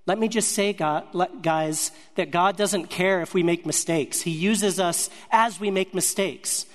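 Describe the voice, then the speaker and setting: A man with a notably high voice tells his story from the pulpit, earnest and measured, letting his thoughts come out in short, broken-up phrases. His words ring out with the long reverb of a large hall. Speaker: speaker sharing a ministry testimony. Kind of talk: storytelling sermon.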